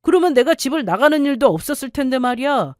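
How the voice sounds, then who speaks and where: A woman's voice: high voice, big pitch swings, quick pace, a little mellow, no room sound, clean studio sound, voice pushed up. A woman doing a bullying, threatening husband. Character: scheming angry husband, middle-aged man.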